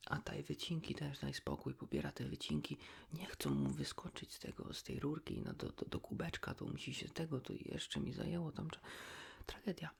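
A man speaking in a hushed, breathy whisper, chatting casually and confidingly as if to a friend in an ASMR style. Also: a little high, huge pitch swings, normal speed. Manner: colloquial, rambling, ends phrases with a tag question. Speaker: ASMR creator talking to the listener as a friend.

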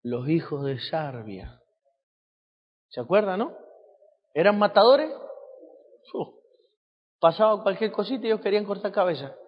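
Male pastor, high voice, sermon with rhetorical questions, muffled recording in an echoey church hall. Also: lively intonation, measured pace, pauses often, husky. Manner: preaching with rhetorical questions to the congregation.

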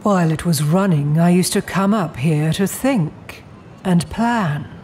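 Woman acting as immortal female demon, audio drama, refined, commanding, quietly threatening, unhurried delivery, faint ambient noise. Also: on the low side, natural voice. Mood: composed, reflective. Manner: genteel, deliberate, coolly imperious. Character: poised, menacing immortal female demon in charge.

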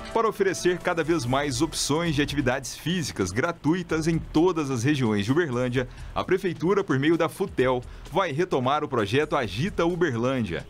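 A man from Brazil reading scripted local news as a radio presenter, in a steady announcer delivery. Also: on the high side.

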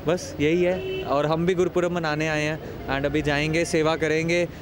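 A man's voice: fairly high pitch, little pitch movement, moderate pace, a crowd in the background. A man in his thirties giving an earnest street interview outside a temple, mixing in English words. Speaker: devotee interviewee. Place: outdoors by a temple entrance. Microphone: handheld interviewer mic. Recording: outdoor traffic noise.

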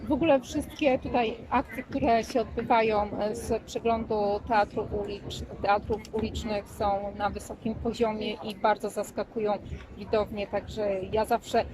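A woman's voice: medium pitch, steady tone, a little slow, poor audio. A woman hosting a vlog interview in a courteous, slightly hesitant, formal way. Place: outdoors in a town street. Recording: outdoor recording with crowd and traffic.

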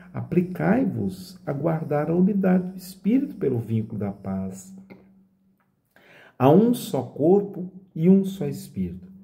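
Slow, gravelly-voiced middle-aged priest. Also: male voice, mid-range voice, dark tone. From Brazil. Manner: slow, reflective, asks "né?" often. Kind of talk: reading and explaining scripture. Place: small room indoors. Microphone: phone camera at close range.

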